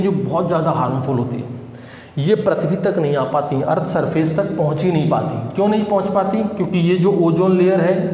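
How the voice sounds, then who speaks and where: Male teacher, fairly high voice, question-and-answer lecture style, reverberant classroom. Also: warm tone. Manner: asks the class questions and answers them himself. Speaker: agriculture exam teacher. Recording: echoey room with long reverb.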